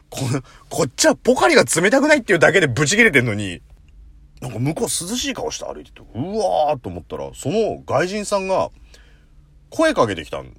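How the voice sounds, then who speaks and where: A man hosting a casual solo talk show, telling a story in rough slang with playful self-mockery and sudden acted-out voices. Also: on the high side, a little fast, dry recording. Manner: animated, jumps into acted-out voices. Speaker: podcast host.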